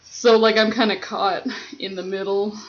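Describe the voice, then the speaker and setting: A man's voice: high voice, flat delivery, normal speed, fairly bright tone. A young trans man talking candidly and wryly with a friend in a casual chat. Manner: candid, wry. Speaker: guest. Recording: slightly dull, faint hiss.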